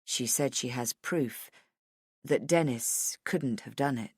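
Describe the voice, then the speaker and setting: A woman voicing a calm, dogged male investigative journalist, measured and persistent, in an audiobook. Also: extremely low pitch, breathy edge, no echo, studio quality, voice pushed down, heavily acted. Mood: low-key, dismissive. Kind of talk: audiobook character dialogue.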